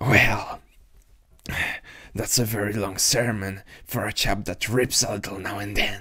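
In a raspy, fairly low put-on character voice, a man speaks at a moderate pace with long, frequent pauses. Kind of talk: comic deadpan teasing. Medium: comedy sketch. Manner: dry, playful, unhurried; coaxing at the end.

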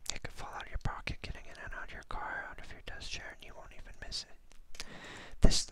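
Whispering, a man speaks at a fairly quick pace. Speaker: pen reviewer. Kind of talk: casual product review talk to camera. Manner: whispered. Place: home room. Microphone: phone near.

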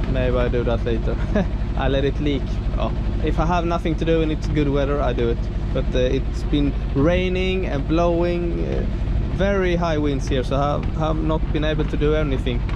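A man speaking at a moderate pace, dry with no echo, over loud background noise. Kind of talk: casual vlog chat. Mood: relieved, relaxed. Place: boat. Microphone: camera far.

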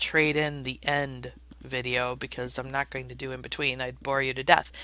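On a very clean recording with a silent background, a woman speaks at a moderate pace with vocal fry. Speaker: gaming YouTuber. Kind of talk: casual gameplay commentary. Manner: chatty, rambling.

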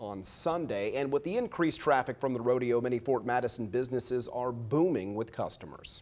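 A man talks at a moderate pace with hardly any pauses and ordinary pitch variation. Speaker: news anchor. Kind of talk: news reading. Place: studio. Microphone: lapel.

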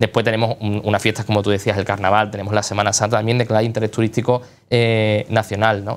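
A man's fairly low, monotone, flat voice at a very fast pace with very even loudness. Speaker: tourism councillor. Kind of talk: interview. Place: studio. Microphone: lapel.

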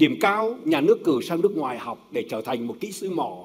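A man's high-pitched voice at a fairly slow pace. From Vietnam. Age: 50s. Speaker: pastor. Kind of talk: sermon. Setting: church with congregation. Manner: animated. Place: church. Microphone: headset.

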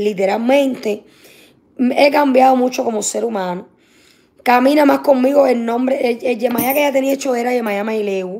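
A woman speaks in a high voice. Her pitch rises and falls in an ordinary way. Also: moderate pace. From Cuba, Santa Clara; Cuba. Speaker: religious leader and spiritual medium; religious community guide. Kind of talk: live stream talk to followers. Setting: live stream. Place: home room. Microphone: phone near.

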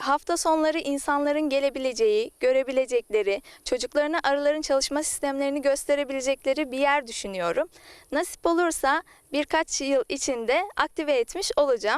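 Her voice is high, with ordinary pitch variation, and the woman talks at a fairly quick pace in a dry, close sound with no echo over a quiet background. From Turkey, Afyon Emirdağ. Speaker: beekeeper. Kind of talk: interview.

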